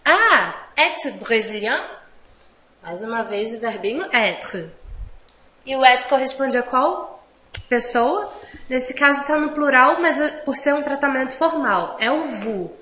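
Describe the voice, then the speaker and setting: Woman teacher going thru french examples slowly, kinda high voice, echoey room. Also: expressive, bright, forceful tone, a little hiss or hum. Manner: slow, patient explaining; mixes Portuguese explanations with French examples. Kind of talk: online language lesson.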